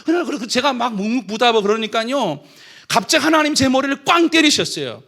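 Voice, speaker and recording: A man in his thirties, a pastor, preaching a sermon and telling a personal story in an animated way. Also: extremely high pitch, a little fast. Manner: animated storyteller, acts out his own prayers and quotes.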